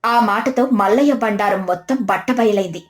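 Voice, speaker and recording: A woman's voice: medium pitch, normal speed. A woman reading a scripted moral story as the narrator. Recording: background music under the voice.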